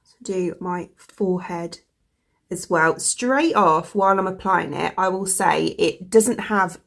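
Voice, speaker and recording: A woman vlogging in a casual, rambling way, dropping fillers as she goes. Her voice sits fairly low and is gravelly and croaky from a cold. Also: unhurried, fairly bright tone. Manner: rambling, full of fillers like "like" and "you know". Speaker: beauty vlogger. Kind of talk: chatty product review.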